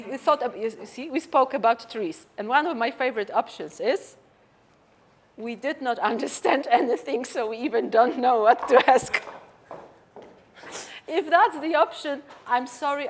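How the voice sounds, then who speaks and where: A woman with a Polish accent, a native Polish speaker, giving a conference talk and answering questions in an animated, conversational way. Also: fairly high pitch, moderate pace. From Poland. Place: conference stage.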